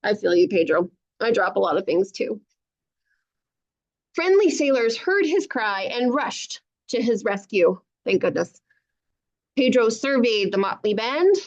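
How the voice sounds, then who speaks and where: Expressive woman reading a storybook, muffled sound. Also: medium pitch, measured pace. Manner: animated, encouraging, expressive narration. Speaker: children's author reading own book aloud. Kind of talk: storybook read-aloud to schoolchildren, with chatty asides. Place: online video call. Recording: dull lo-fi video call sound.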